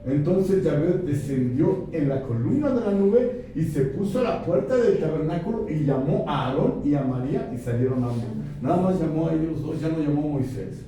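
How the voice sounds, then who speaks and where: A man's voice: a little high, expressive, moderate pace, few pauses, mellow. A man from Mexico preaching a sermon, putting rhetorical questions to his congregation and quoting scripture. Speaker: pastor. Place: church hall. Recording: echoey room, mic far off, faint music.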